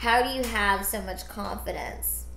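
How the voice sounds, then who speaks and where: Music plays in the background and there is audible room echo. A woman speaks at a moderate pace. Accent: American. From Seattle, Washington. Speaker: talk show host. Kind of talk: interview.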